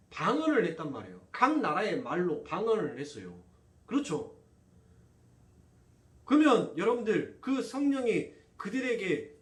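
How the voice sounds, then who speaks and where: Pastor guy preaching, high voice, lots of questions to the pews, echoey room. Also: far from the mic. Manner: preaching with constant rhetorical questions to the congregation. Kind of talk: sermon. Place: church sanctuary.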